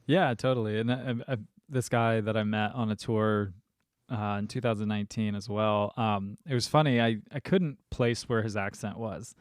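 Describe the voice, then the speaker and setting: A man hosting a podcast, chatting casually and telling lively stories with many fillers. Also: on the low side, normal speed, dry recording, studio quality. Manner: animated storyteller, many fillers. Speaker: podcast host. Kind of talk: casual conversation.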